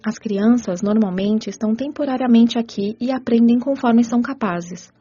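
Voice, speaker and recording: An actress playing a kind, patient spirit caretaker who explains rules in a measured, teacherly radio drama delivery. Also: female voice, a little high, warm tone, breathy edge. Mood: patient, instructive. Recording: muffled audio with music underneath.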